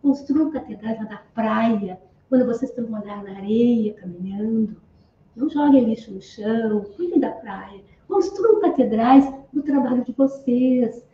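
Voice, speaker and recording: A woman with a high voice delivers a Spiritist talk in an easy, conversational way, often closing her phrases with a questioning tag. She sounds distant from the mic in a roomy, echoey space, and the recording is somewhat dull. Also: a little slow, slight background noise. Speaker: Spiritist speaker.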